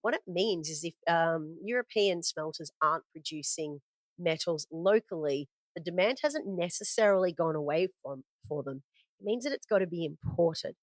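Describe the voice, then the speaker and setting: A woman's voice: lowish voice, lively intonation, normal speed, no echo. A woman hosting a commodities podcast, talking through her notes in a conversational way, with fillers and self-corrections. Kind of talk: casual spoken market commentary from notes.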